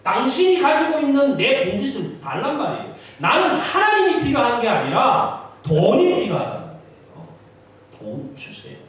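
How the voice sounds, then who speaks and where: A pastor voicing a defiant, greedy young prodigal son who demands his inheritance, in a high, insolent voice. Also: very animated, unhurried. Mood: demanding. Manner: shouting, high-pitched and insolent. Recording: booming echo in a large church, from a distant mic.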